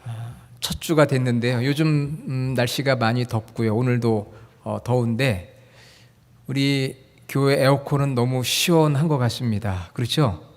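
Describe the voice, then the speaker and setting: A man's voice: medium pitch, a little slow. A male pastor giving a sermon in a church, friendly and joking as he quizzes the congregation. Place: church sanctuary. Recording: long hall reverb.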